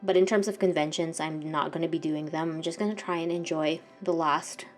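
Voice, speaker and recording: A woman's voice: sits low, fairly even intonation, a little fast, faint music behind. A young woman vlogging casually while she paints, congested and sniffly, rambling and often correcting herself. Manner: rambling, self-correcting, soft-spoken. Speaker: art vlogger. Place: home art studio.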